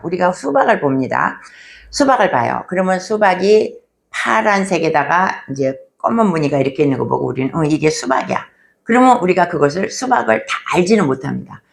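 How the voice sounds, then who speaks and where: A woman's voice: mid-range voice, creaky. A woman pastor preaching a sermon, asking rhetorical questions and acting out quoted voices. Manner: asks rhetorical questions and answers them, acts out quoted voices.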